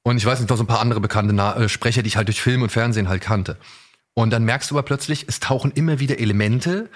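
A podcast host chats casually about audio dramas, rambling enthusiastically and often correcting himself. His voice is mid-range and quick.

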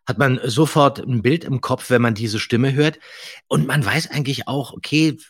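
A man co-hosting a podcast, talking enthusiastically and casually about a radio drama. His voice is somewhat husky and sits at a middle pitch. The sound is dry and close, with no room echo. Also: normal speed. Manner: enthusiastic, anecdotal. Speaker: podcast host reviewing radio plays. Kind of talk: casual chat.

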